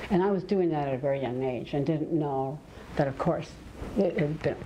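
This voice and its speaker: Ordinary pitch variation is heard through noticeable background noise and audible room echo. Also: woman. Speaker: poet. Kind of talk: interview. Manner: halting.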